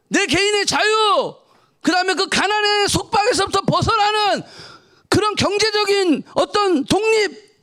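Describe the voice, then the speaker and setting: High-voiced, animated woman pastor preaching. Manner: lively, colloquial and dramatic, mixing in English words. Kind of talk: sermon. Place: church sanctuary.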